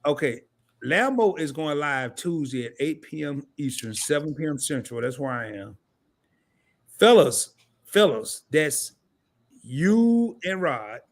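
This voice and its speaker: A man's voice: fairly high pitch, expressive, unhurried. A man co-hosting a casual live stream, joking around, laughing often and reading viewer comments aloud. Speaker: co-host of a credit live stream.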